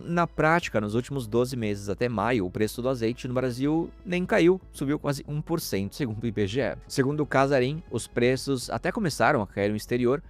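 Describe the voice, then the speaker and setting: A man from Chile hosting a news podcast, talking in a chatty way and making asides to his listeners. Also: medium pitch.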